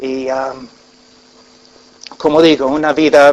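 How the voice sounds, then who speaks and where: A man with an English accent and fairly even intonation, with noticeable background noise. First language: English (speaking Spanish). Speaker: preacher. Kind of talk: sermon. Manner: halting.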